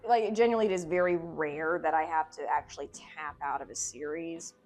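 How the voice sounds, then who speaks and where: A woman's voice: sits low, fairly quick, darkish tone. A woman doing casual, joking video commentary, sarcastic, irreverent and profane, with a theatrical streak. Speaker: video essay host. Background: background music.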